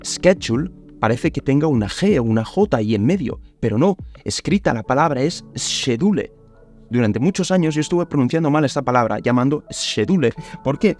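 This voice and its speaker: Calm man teaching. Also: mid-range voice, fairly quick, soft background music. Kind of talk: explanatory teaching talk.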